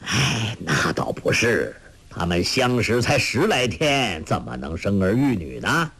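A man voicing a gentle, grave old monk who speaks in a measured, soft way, in a storybook reading. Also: lowish voice, sing-song, slightly rough, full character voice. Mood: calm.

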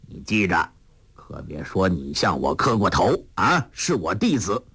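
A man voicing an eccentric old male beggar and martial arts master who talks gruffly and teasingly. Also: sits low, sing-song, fairly bright tone, no room sound, voice pushed down, heavily acted. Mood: stern. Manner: gruff, teasing, drawn-out exclamations.

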